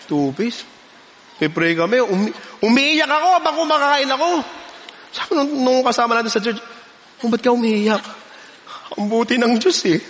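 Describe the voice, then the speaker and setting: Animated preacher in a reverberant hall. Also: male voice, very high-pitched, moderate pace, pauses often, a little hiss or hum. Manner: animated storytelling with frequent laughs. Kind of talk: sermon.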